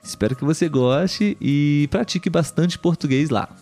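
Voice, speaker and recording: A young Brazilian man who hosts a language-learning podcast, speaking clearly and warmly as he talks directly to learners. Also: fairly high pitch, moderate pace, soft background music. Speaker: podcast host and Portuguese tutor.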